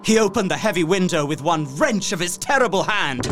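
A man's voice: high voice, expressive, fairly quick, fairly bright tone, soft background music. An actor playing a polite, observant and uneasy young solicitor, narrating his journal earnestly and precisely in a gothic audio drama. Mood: alarmed. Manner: precise, earnest, theatrical storytelling.

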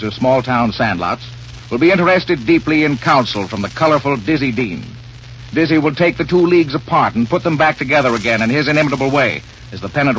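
A man announcing and reading sponsor lines on an old radio broadcast in a smooth, formal delivery. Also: mid-range voice, a bit bright. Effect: old radio broadcast sound. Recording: muffled old radio recording with faint hiss.

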